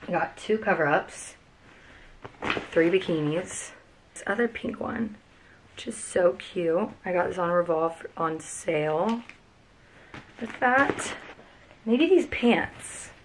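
A woman's voice: mid-range voice, slight background noise, low-quality recording. A young woman, chatting and gushing through a casual packing vlog in a cluttered bedroom, recorded by a camera a few feet away. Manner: chatty, gushing, lots of "like" and "freaking". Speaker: vlogger. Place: cluttered bedroom, sitting on the floor.

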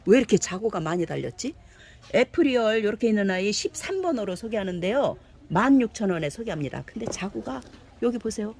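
A woman giving a cheerful live sales pitch for succulent plants, gushing and exclaiming over each one and chatting aloud to herself. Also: lively intonation, brisk, darkish tone. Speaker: succulent seller.

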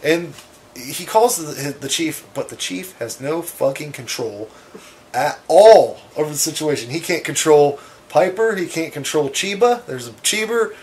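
A man's voice: fairly high pitch, animated, a little slow, a little mellow. A man hosting a podcast, riffing in casual, profane comic banter. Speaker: podcast host. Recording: clearly noisy background.

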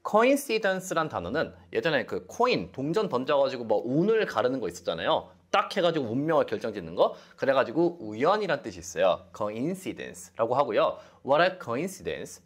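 A young man teaching English phrases, explaining them animatedly and acting out sample dialogues. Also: medium pitch.

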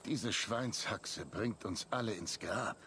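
An actor playing a wry, menacing Arab assassin with a dry, sardonic manner in a video game. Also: male voice, fairly low pitch, takes it slowly, bright, forceful tone, slight background noise, exaggerated voice. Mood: dry, mocking. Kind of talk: dramatic video game dialogue.

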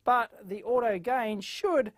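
A woman testing a camera microphone on auto gain. Her level and bass shift as she turns her head toward and away from the mic. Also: takes it slowly, no room sound, clean studio sound. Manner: talks to the mic, then to the side, in turns. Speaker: video maker testing microphones. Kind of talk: casual gear test talk. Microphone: camera-mounted mic on auto gain.

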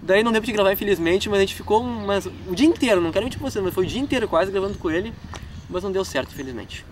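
A young gaming YouTuber from Rio Grande do Sul rambles casually through fan questions in southern gaúcho Portuguese, chatty, packed with filler tags and laughing at himself. His voice sits high for a guy, with lively intonation, and he talks very fast. He stands far from the camera mic in a wooded park, a few feet away, with clear wind and traffic noise around him.

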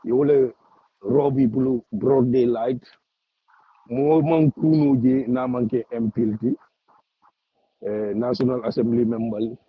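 A man's voice: mid-range voice, breathy edge, lo-fi sound. A man giving impassioned political commentary, repeating phrases for emphasis.

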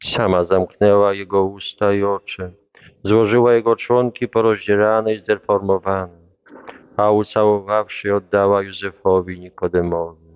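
A man reading a devotional Passion text aloud in a solemn, measured, reverent way. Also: on the low side, flat delivery, clean tone, no room sound, muffled recording.

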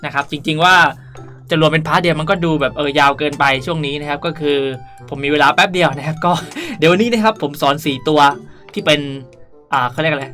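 Young male gaming host, bright delivery, playful and chatty tutorial commentary over light music. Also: fairly high pitch, quick pace. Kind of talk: casual game tutorial commentary.

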